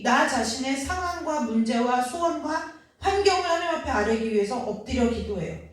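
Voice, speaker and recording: A woman with a high voice gives an earnest sermon, turning questions to the congregation. She sounds far from the microphone, and the church around her rings with heavy echo. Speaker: preacher. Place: church sanctuary. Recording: very echoey, from far off.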